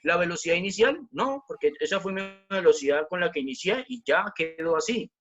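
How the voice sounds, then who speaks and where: A man's voice: sits high, expressive, fairly quick, fairly bright tone, lo-fi sound. A man teaching a physics class online, explaining step by step, repeating key points and asking the students questions.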